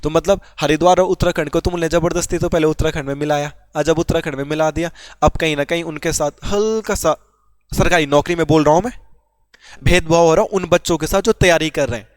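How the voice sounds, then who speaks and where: A man's voice: on the high side, fairly even intonation, fast, dry recording. A young man from Garhwal teaching an informal exam-prep lesson, chatty, asking and answering his own questions. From Uttarakhand, Garhwal.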